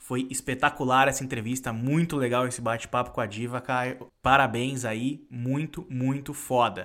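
A man uses a normal speaking voice at medium pitch, moving at a moderate pace with hardly any pauses and fairly even intonation. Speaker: podcast host. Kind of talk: casual chat.

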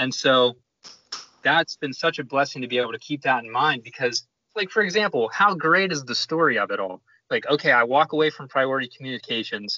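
An unremarkable speaking voice from a man with an American accent, fairly high in pitch, with lively intonation at a fairly quick pace. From western Pennsylvania. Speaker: musician. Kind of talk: casual interview chat. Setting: phone call. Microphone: cell phone signal, cutting out.

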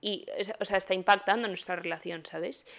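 A woman at a medium pitch is heard on a very clean recording with a silent background. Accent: Madrid. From Spain, Madrid. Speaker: podcast host. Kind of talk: casual monologue.

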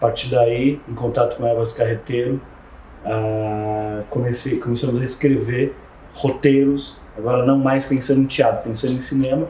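With monotone, flat intonation, a man talks at a moderate pace and a medium pitch. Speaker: stage actor and director. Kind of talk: casual interview.

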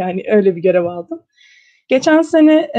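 A woman speaks in a high register with a dark, mellow tone. Her intonation is lively and her pace moderate. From Istanbul, Zeytinburnu. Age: 20s. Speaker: university student and youth volunteer. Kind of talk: interview. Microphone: echo.

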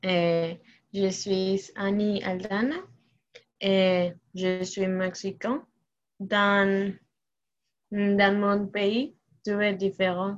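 In a Spanish accent, a woman of medium pitch speaks very slowly with monotone, flat intonation, very even loudness and long, frequent pauses. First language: Spanish (speaking French). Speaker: guest. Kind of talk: casual chat.

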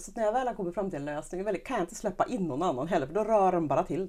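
A woman's very fast delivery at medium pitch, with very wide pitch swings and a dark, mellow tone. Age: 40s. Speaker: guest, mother and friend of host. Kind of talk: casual chat.

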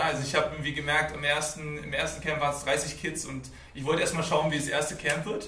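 With noticeable background noise and audible room echo, a man talks at a very fast pace in a fairly high pitch. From Berlin. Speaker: basketball player and academy founder. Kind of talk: podcast interview.

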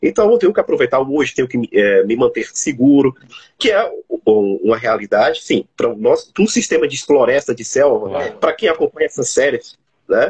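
A man with a Brazilian accent at a moderate pace, in a dry, close sound with no echo. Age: 30s. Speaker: psychologist. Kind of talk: live stream conversation.

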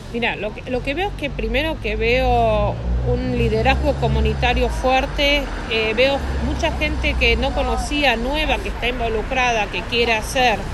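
Noticeable background noise and audible room echo around a woman's fairly slow delivery. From Argentina, Bahía Blanca. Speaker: Zionist organization representative. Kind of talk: interview. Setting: outdoors at a street corner café.

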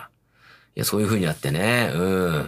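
The recording is very clean, its background silent. In it, a man talks. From Japan, Yokohama. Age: 30s. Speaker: rakugo storyteller, podcast host. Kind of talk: casual solo podcast talk. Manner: loud.

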